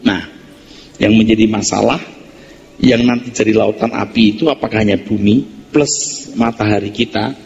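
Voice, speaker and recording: A male pastor preaching a sermon. He is animated, jumps suddenly into high emphatic outbursts, and puts rhetorical questions to the congregation. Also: muffled recording, slight background noise.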